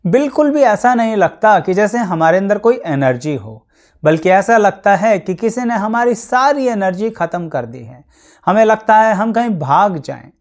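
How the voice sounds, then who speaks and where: A man's voice: sits high, a little mellow. A man speaking as an astrologer, explaining things to his viewers in a plain, practical way with everyday examples and English words mixed in. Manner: mixes English words into Hindi.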